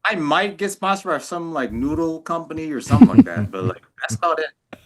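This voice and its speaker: Casting: male guest, mid pitch with wide swings, deadpan self-mocking jokes. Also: brisk. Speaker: guest YouTuber. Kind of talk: casual banter.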